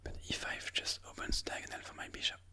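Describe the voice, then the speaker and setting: A person whispering ASMR game commentary in a breathy, mostly unvoiced voice, slowly and soothingly thinking aloud. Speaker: ASMR chess video host.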